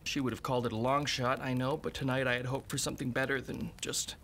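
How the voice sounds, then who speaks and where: Actor as an earnest young village man, bright voice. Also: medium pitch, flat delivery, quick pace, slight background noise, natural voice. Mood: wistful, earnest. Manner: earnest, wordy, dramatic. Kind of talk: audio drama acting.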